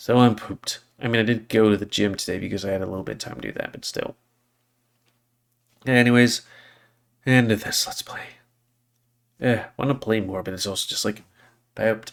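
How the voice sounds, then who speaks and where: A man with a medium-pitched voice talks fairly quickly, his intonation fairly even. He leaves long, frequent pauses, and his loudness swings widely. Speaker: gaming YouTuber doing a let's play. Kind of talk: casual let's play commentary. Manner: yawning.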